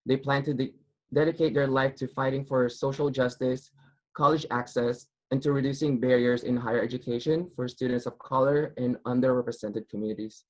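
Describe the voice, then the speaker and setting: A man with a medium-pitched voice acts as event host. He gives formal thanks and introductions, reading in a measured, official style. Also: fairly even intonation, a little mellow, rough recording.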